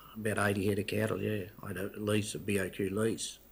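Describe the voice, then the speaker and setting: A man with a rural Australian accent talks at a fairly quick pace in a fairly low, monotone voice with vocal fry. Audible room echo surrounds his speech. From western Queensland, Australia. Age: 60s. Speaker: cattle farmer testifying as witness. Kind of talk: witness testimony. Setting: courtroom hearing. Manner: halting, repetitive.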